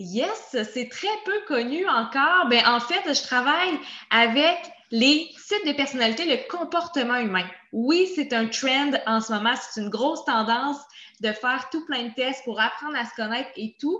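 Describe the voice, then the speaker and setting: Raising and projecting her high voice, a woman speaks at a fairly slow pace with lively intonation. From Quebec. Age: 20s. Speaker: human relations coach, entrepreneur. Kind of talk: podcast interview.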